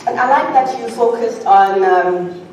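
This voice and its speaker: A woman's voice: fairly high pitch, a little slow, far from the mic, muffled recording, a little hiss or hum. Woman in an echoey hall. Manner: animated, laughing storyteller. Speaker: audience member. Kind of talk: telling a story during a Q&A.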